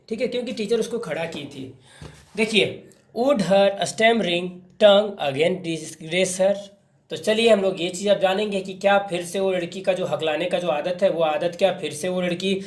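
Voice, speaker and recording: A man teaching an English textbook story, reading the English lines slowly and explaining them in a chatty way with many fillers. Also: high-pitched, reverberant.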